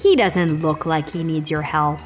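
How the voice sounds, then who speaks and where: Low-voiced firm woman store manager. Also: unhurried, soft background music. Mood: firm, concerned. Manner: polite but firm. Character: firm, protective female supermarket store manager. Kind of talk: audio drama acting.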